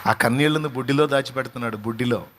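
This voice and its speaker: A man with a Telugu accent preaching a sermon as a pastor, impassioned, often rising in pitch and acting out quoted speech. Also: rapid-fire, noisy background.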